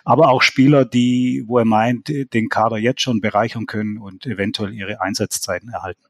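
A man's voice: lowish voice, fairly even intonation, moderate pace, dry recording. A man talking in a casual podcast discussion from his home office, hesitating often with fillers. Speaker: football reporter guest.

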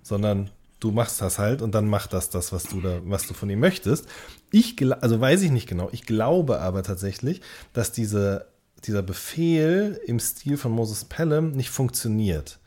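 A man's voice: lowish voice, expressive, normal speed, warm tone. A man in casual podcast chat as co-host, explaining things while thinking aloud and rephrasing hesitantly.

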